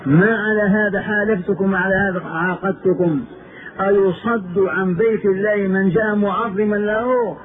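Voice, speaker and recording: Proud angry arab chief man doing him, slow and solemn, high voice, sounds like a phone line. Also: fairly even intonation, a crowd in the background, lightly acted. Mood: indignant. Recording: tinny phone-like old tape.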